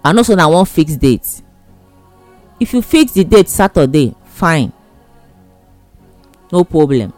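A man's voice: a little high, big pitch swings, unhurried, pauses often, darkish tone, dry recording, soft background music. A man with a Nigerian accent giving casual advice in an emphatic, repetitive, plain-spoken way. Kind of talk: casual advice monologue in Pidgin.

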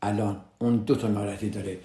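A man's voice: lowish voice, flat delivery, dark tone, echoey room. A man hosting a radio advice program, speaking earnestly and directly to his listeners, often repeating his main points. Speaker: radio host giving relationship advice. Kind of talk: casual advice talk on a podcast.

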